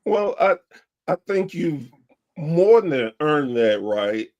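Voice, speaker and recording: A man hosting a podcast, praising his guest with many halting restarts. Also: a little high, big pitch swings, darkish tone. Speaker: podcast host. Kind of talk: casual interview talk.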